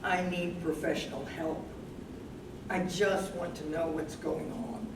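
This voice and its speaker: A woman's voice: sits low, fairly even intonation, unhurried. A woman playing a thoughtful, anxious professor wife troubled by her memory in a staged play reading. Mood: worried. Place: live staged reading in a room. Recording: noisy, echoey room from a distance.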